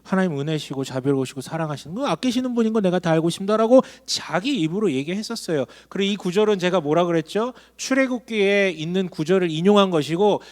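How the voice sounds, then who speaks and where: High-voiced Korean pastor preaching. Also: male voice. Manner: emphatic, asks the congregation questions. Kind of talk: sermon. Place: church hall.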